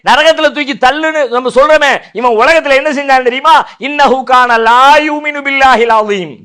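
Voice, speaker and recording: A man preaching from a stage podium, chanting scripture verses slowly and then explaining them in everyday speech. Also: very high voice, sharp tone. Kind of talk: Islamic sermon on a stage. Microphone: podium microphone.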